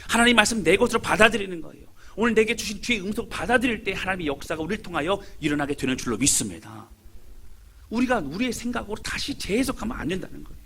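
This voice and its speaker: A man's voice: high voice, lively intonation, quick pace, vocal fry, bright, forceful tone, a little hiss or hum. A male pastor from Seoul preaching a sermon, emphatic and speaking straight to his congregation. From Seoul, Korea. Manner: emphatic, addressing the congregation directly.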